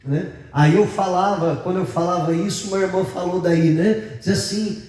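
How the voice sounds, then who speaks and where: A man's voice: sits high, steady tone, moderate pace, a little mellow. A Brazilian man preaching a sermon as pastor, in a chatty, joking storytelling manner, in a large church. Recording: echoey church from a distance.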